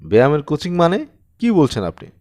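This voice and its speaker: A man's voice: a little high, huge pitch swings, fast talker, darkish tone. Man acting a stern, exasperated school headmaster. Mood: cold, exasperated. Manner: cold, curt, scolding.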